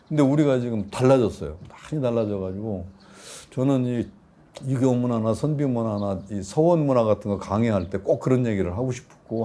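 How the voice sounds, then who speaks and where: Man, 60s, professor guest, mellow voice, lively storyteller, middle pitch. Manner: animated anecdotes with acted quotes and laughter. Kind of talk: conversational interview storytelling.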